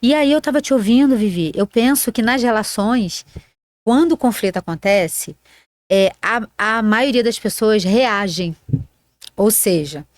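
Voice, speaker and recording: Female podcast co-host, earnest emphatic talker, mid-range pitch, dry mic. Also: measured pace, no room sound. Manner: earnest, emphatic, uses many fillers like "né". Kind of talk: casual conversational podcast.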